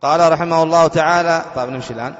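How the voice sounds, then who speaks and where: Sheikh quizzing grammar students. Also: male voice, a little high, long reverb tail, highs cut off. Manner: quizzes students with rhetorical questions; reads a text aloud slowly, then explains it. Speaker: sheikh teaching Arabic grammar. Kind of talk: classroom grammar lesson.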